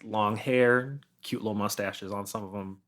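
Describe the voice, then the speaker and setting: A man's voice: fairly low pitch, steady tone, moderate pace, a bit bright. A man speaking as a podcast guest, chatting casually with friends.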